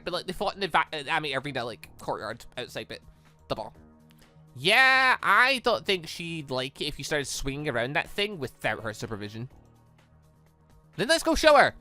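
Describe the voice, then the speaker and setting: The voice is bright and forceful, with pitch that swings widely. It belongs to a gaming host doing a lively read-along of a visual novel, rambling into personal asides between lines. Faint music sits behind the voice. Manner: animated, rambling, slips between reading and reacting. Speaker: YouTube host reading a visual novel aloud.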